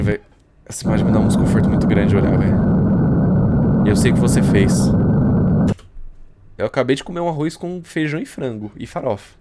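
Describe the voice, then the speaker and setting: A man's voice: on the high side, heavy background noise. A young Brazilian man giving casual, slangy, joking reaction commentary into a close desk microphone. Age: young adult. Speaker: YouTuber reacting to horror videos. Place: indoor streaming room. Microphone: close desk microphone on arm.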